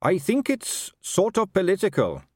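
A man's voice: high voice, huge pitch swings, normal speed, no echo, voice pushed up, full character voice. A man voicing an earnest, polite and honest young watch captain in a story, respectful, firm and a little wooden. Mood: awkward.

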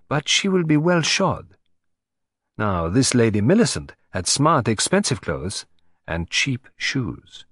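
A fussy, exacting Belgian detective with a French-tinged lilt, as a male reader puts him on. He talks politely and drily, his pitch lively and roaming. The voice is slightly husky and the room sounds dry. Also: no room sound. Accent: French-tinged English.

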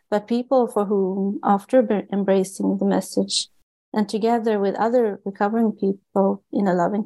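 A Swedish-accented woman reads aloud from her own book in a steady, earnest way. Her voice is gravelly and mellow, and she sometimes restarts a word before carrying on. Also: medium pitch, low-quality recording. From Sweden. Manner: earnest and measured, with small restarts on words. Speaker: author and guest.

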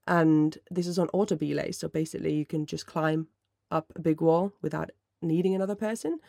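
Thirties, gravelly, dry close sound, rambling solo chat. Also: mid-range voice, fairly even intonation, brisk, no room sound. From Finland. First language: Finnish. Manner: mellow, rambling, self-correcting. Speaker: podcast host. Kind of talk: casual solo chat answering listener questions.

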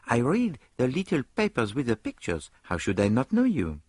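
A man's voice: medium pitch, wildly swooping pitch, moderate pace, darkish tone, dry recording, studio quality, voice pushed up. A man reading aloud, voicing a fussy, vain male detective with a grand, precise manner.

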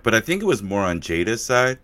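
A man's voice: on the low side, very animated, a little fast, sharp tone. A man co-hosting a podcast in casual chat, giving direct, opinionated takes. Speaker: podcast co-host.

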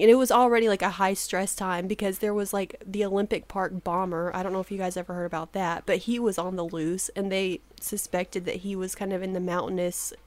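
In a casual chat, a woman in her thirties who co-hosts a podcast tells stories to her co-hosts, laughing often and swearing casually. Her mid-range voice is still a little sleepy, with no room sound.

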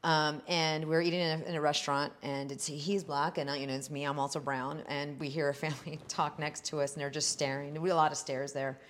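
A woman hosting a podcast in an animated, chatty way, jumping from topic to topic. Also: low voice, fast talker, hardly any pauses. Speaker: podcast host. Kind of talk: casual chat.

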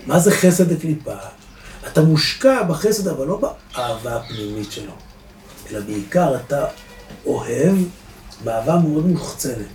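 A man, a rabbi giving a lively Torah lesson to a live audience, asking rhetorical questions and swinging between loud and soft. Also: mid-range voice, soft background music. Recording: echoey room, distant mic, faint noise.

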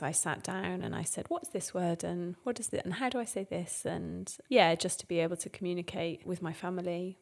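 English woman, low-ish voice, interview guest, unhurried and reflective, lots of ums. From England. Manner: thoughtful, many fillers and restarts. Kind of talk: conversational interview.

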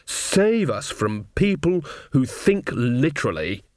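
A man's voice: mid-range voice, sing-song, slow pace, a little mellow, no echo, clean studio sound. A man voicing a cold, imperious older witch woman in an audiobook, haughty and scornful. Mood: smug, dismissive. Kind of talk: audiobook character acting.

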